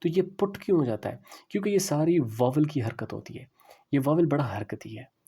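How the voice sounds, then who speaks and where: A man giving a classroom lecture on English pronunciation, explaining slowly and repeating the example words. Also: on the high side, expressive, warm tone, breathy edge.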